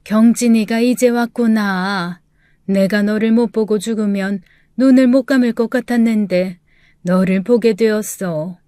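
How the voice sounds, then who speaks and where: A woman voicing a gentle, frail old grandmother on her deathbed, speaking slowly and weakly in halting phrases. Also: mid-range voice, fairly even intonation, no echo, studio quality, lightly acted. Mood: tender. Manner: slow, weak, halting speech.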